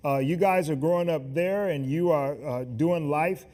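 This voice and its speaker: A man hosting a Christian TV talk show, energetic and encouraging, laughing often between lines. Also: on the high side, normal speed. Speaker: TV show host. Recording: music playing behind.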